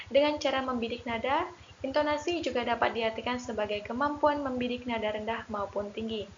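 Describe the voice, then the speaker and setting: A young woman, a student, reading a formal presentation from her slides in a steady, measured way. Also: a little high. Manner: steady, formal reading with Islamic greeting, pauses on citations. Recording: lo-fi with faint hiss.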